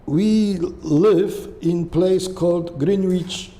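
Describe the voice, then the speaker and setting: An older Polish-accented man answers questions in a halting, searching way, checking in with "right?" as he goes. His voice sits a little high, yet it sounds soft and mellow. The room rings with a long reverb over a faint hiss. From Poland. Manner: halting, often tagging "okay?" and "right?". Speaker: guest. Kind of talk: conversational interview answers.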